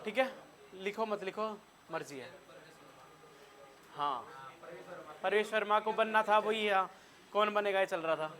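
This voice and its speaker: A man with a Hindi accent teaching a room of students, his voice high and bright as he quizzes them on facts. He keeps firing questions and telling the class what to note down. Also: unhurried, pauses often. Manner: quizzes students and has them take notes. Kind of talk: classroom lecture.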